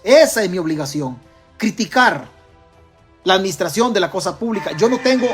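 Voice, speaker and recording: Man, Salvadoran accent, political commentary, emphatic rhetorical questions, high husky voice. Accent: Salvadoran Spanish. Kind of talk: direct-to-camera political commentary.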